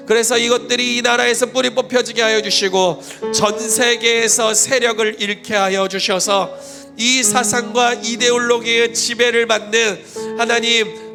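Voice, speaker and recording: Fervent high-voiced pastor praying over guitar. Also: male voice. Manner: loud impassioned praying, speaking in tongues. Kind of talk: fervent intercessory prayer. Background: guitar music.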